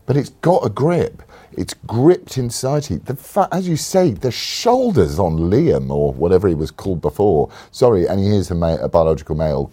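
Male host, very low warm voice, lively delivery, joky mocking asides. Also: normal speed, few pauses. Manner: animated, jokey, with sudden high mocking asides. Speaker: interviewer and podcast host. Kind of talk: casual political chat.

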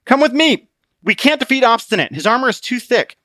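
A man's voice: extremely high pitch, lively intonation, brisk, bright, forceful tone, no room sound, studio quality, voice pushed up, heavily acted. A man voicing a desperate young armored soldier who pleads and protests in a strained, frantic way. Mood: pleading.

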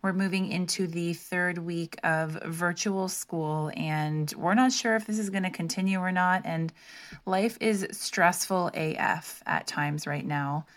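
Soft-spoken woman podcast host, soothing. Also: on the low side, steady tone, unhurried. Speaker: podcast co-host, holistic health practitioner. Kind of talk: casual chat, gentle intro to a guided meditation.

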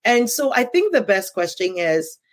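Ghanaian woman with a lively voice. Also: mid-range voice, normal speed. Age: middle-aged. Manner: earnest, often adds "right?". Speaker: podcast host. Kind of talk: casual conversation.

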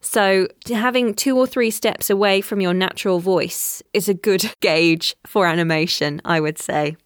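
A woman's voice: mid-range voice, unhurried, no room sound, studio quality. A woman voiceover artist in a casual interview, chatty and self-deprecating, laughing often.

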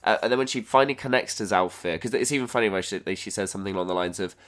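A man with a fairly low voice talks through a story on a casual podcast. He rambles and restarts his sentences, thinking aloud as he goes, with the odd swear word. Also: rapid-fire, a bit bright. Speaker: podcast co-host. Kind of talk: casual chat.

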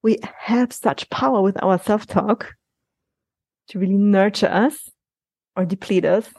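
A woman coaching guest speaking gently and reassuringly in a conversational interview, often restarting her sentences. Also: mid-range voice, unhurried, breathy edge, no echo.

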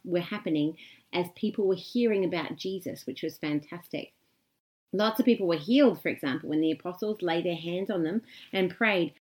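A woman's voice: mid-range voice, darkish tone. A woman hosting and telling a short Bible story for children in an upbeat, enthusiastic way. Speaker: host.

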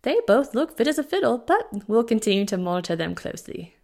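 A woman voicing a brisk, wry older woman doctor with a British accent and a dry, teasing manner. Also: on the high side, very animated, a little mellow, pitched above the performer's own voice.

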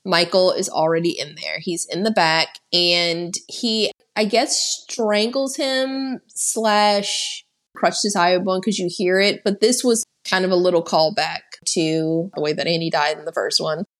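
Her voice sits on the low side and sounds a bit bright, and she keeps a measured pace. She's a woman co-hosting a podcast, giving a sarcastic, chatty recap of a horror movie packed with "like."

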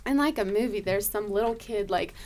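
A woman's voice: medium pitch, fairly quick, slight background noise. Chatty laughing woman nurse. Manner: lively, laughs often, many likes. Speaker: ER nurse guest. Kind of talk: casual storytelling.

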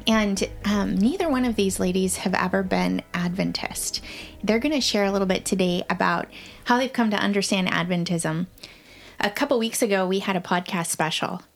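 A woman's voice: mid-range voice, normal speed. A woman co-hosting a podcast, opening the show and introducing guests in an upbeat, welcoming way. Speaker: podcast co-host.

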